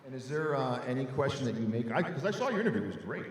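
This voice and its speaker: A man's voice: mid-range voice, sing-song, very fast, slight background noise. A man moderating a convention panel, bellowing introductions and then asking casual questions. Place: large convention hall. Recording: echoey hall from far off with crowd.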